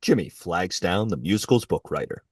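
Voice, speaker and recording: A man narrates a script in a low, husky voice. His delivery is expressive and varied, recorded very dry and close. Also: moderate pace, dry recording. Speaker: narrator reading stage directions.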